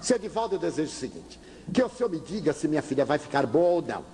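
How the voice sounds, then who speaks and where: A man's voice: on the high side, sing-song, fast, warm tone. A man doing a whiny, pushy impatient father. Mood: insistent. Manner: insistent, pleading, whiny. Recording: reverberant lecture hall, faint hiss.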